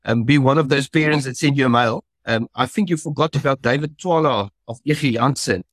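Rambling rugby pundit. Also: male voice, mid-range voice, fairly quick, no room sound. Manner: rambling, hesitant. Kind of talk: podcast discussion.

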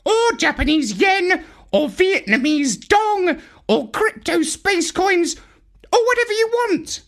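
A man's voice: sing-song, slow pace, fairly bright tone, exaggerated voice. A man voicing a bossy, boastful, brainy parrot with a squawky voice in a children's storybook. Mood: eager, insistent. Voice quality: squawky, shrill. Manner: bossy, pompous. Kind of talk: children's audio storybook character.

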